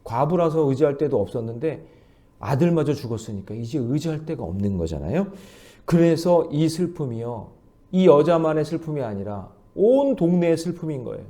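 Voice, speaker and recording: Guy pastor preaching at dawn service, kinda high voice, really animated, hammers the same lines over and over. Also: moderate pace. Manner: emphatic, repeats key phrases, leads the congregation in reading aloud. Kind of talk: dawn prayer sermon.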